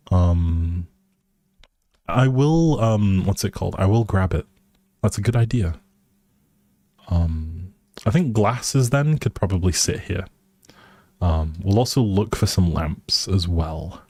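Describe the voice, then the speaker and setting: A man with a deep, low voice talks through a game livestream. He is unhurried and easygoing, thinking aloud as he goes. The sound is close and dry, with very little room. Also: animated, warm tone, dry recording. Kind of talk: casual livestream commentary while playing a life simulation game.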